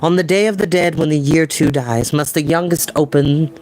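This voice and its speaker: A man voicing a solemn, wise old man in a storybook, reciting prophecy in a slow, incantatory way. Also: a little high, a little mellow, a little hiss or hum, lightly acted, low-quality recording. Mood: solemn, careful.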